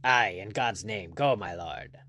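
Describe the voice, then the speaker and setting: A man's voice: lowish voice, measured pace, bright, forceful tone. A man voicing a cowardly, blustering colonel in an audiobook, spluttering and hasty. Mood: frantic, pleading. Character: cowardly blustering colonel, deputy governor, in panic.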